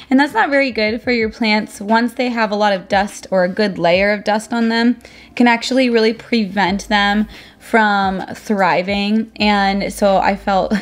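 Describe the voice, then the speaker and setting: A woman's voice: fairly high pitch, fairly bright tone. A woman in her thirties chatting informally as a home vlogger, explaining things casually with self-deprecating asides. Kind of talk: casual explanatory vlog talk. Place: bright sunroom at home, indoors. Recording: echoey room.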